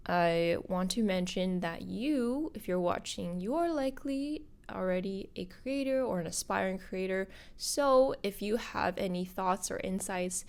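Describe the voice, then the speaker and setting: A young woman hosting her own podcast, talking casually and upbeat to viewers, her voice husky because she is a little sick. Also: on the low side. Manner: bubbly and upbeat, addressing viewers directly. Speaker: podcast host and content creator. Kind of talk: casual solo podcast talk.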